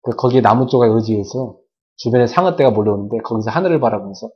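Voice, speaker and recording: A man preaching a sermon at a church service, animated, tossing sound-effect words and questions to the congregation. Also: mid-range voice, fast. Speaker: pastor. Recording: dull lo-fi church video recording.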